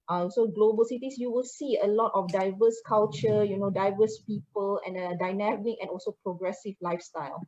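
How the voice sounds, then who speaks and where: A woman's voice: medium pitch, fairly even intonation, a little fast, hardly any pauses, dark tone, dull audio. A Malaysian woman with a Malaysian accent, giving a chatty promotional presentation to prospective students and slipping into Malay phrases.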